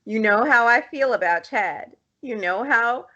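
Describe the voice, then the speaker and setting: A woman co-hosts a casual podcast chat, her slow, unhurried delivery playful and often laughing as she cuts in on the others. Her voice sounds bright and forward, with a slightly dull lo-fi sound to the recording. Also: fairly high pitch, lively intonation. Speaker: podcast co-host.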